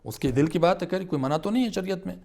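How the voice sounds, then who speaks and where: A man speaks as a guest on a studio talk show, earnest and emphatic as he explains his point. His voice sits a little higher than most men's. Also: vocal fry, darkish tone. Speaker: religious scholar guest.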